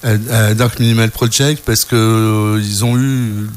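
A man co-hosting a casual radio music show, talking hesitantly with many pauses and restarts. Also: on the low side, steady tone, clear, resonant tone.

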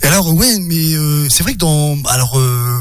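A man hosting a radio show, hesitant and friendly, full of pauses and restarts, speaking into a studio microphone. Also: on the high side, lively intonation, clean tone, no echo. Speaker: radio host. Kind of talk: radio interview.

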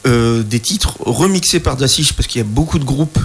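A man's voice: medium pitch, lively intonation, moderate pace, husky. A man co-hosting a casual radio music show, talking enthusiastically and often repeating words as he searches for them.

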